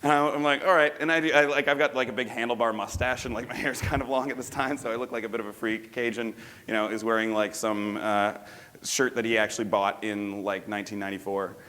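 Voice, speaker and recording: A man's voice: on the low side, fairly even intonation, fast talker, sharp tone. A man teaching storytelling through a personal anecdote, rambling and correcting himself in casual speech. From Canada. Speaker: dating coach. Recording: long hall reverb.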